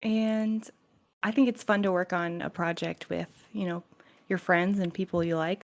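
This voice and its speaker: A woman's voice: on the low side, steady tone, normal speed. A woman talking casually as a cast member on a podcast panel.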